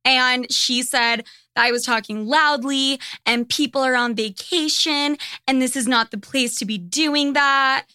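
Young woman from the US, podcast host, bright crisp voice, dry close sound, blunt and swearing. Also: sits high, measured pace, hardly any pauses, no room sound. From United States. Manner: profane, candid, animated storytelling. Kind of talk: casual podcast monologue.

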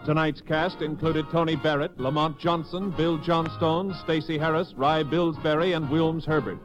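A man reading scripted credits as a formal, measured 1950s radio announcer. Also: a little high, steady tone, soft background music, rough recording.

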